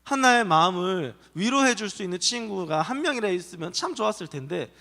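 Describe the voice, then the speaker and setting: A man pastor leads a children's service, telling a Bible story with lots of questions to the kids. His voice is high and bright and swings widely in pitch. It rings out in a reverberant hall. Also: fairly quick, gravelly. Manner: animated, asks children questions and acts out voices. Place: church children's worship hall.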